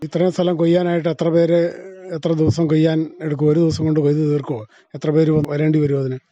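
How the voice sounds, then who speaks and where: Very mellow, quick-talking Kerala man interviewing. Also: fairly high pitch, flat delivery, no room sound. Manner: inquisitive, often ends with confirming tag questions. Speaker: radio interviewer. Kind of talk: conversational interview questioning. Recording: dull, band-limited dry radio recording.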